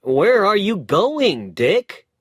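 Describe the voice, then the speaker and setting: A man voicing a brisk, friendly young male lawyer in a storybook reading. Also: high-pitched, very animated, fairly bright tone, breathy edge, no echo, clean studio sound, voice pushed up, full character voice. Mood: chatty. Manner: chatty, raised voice.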